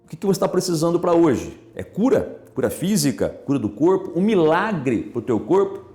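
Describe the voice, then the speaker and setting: A male pastor delivering a morning sermon, his pitch rising and falling animatedly as he speaks straight to his listeners. His tone is mellow and dark. The voice sits in an echoey room with faint music underneath. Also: sing-song, moderate pace. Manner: asks listeners direct questions. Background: soft music.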